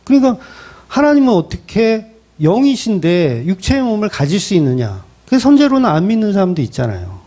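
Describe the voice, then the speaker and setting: A man's voice: high voice, sing-song, brisk, warm tone. A middle-aged male pastor preaching a sermon in a conversational style, asking rhetorical questions. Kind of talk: expository sermon.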